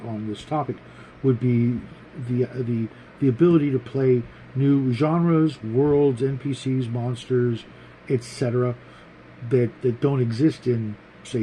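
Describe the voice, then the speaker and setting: A man hosting a casual, unscripted vlog about tabletop gaming, talking to viewers in a rambling, halting, conversational way. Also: medium pitch, mellow, a little hiss or hum, rough recording. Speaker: host of a tabletop gaming vlog, game master.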